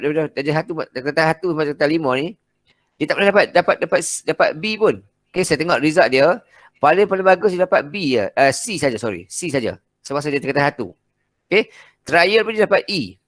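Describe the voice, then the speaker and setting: A man's voice: mid-range voice, no echo. A man with a Malaysian Malay accent, a maths teacher giving a casual seminar talk, blunt and direct, acting out exchanges with students and often saying "okey".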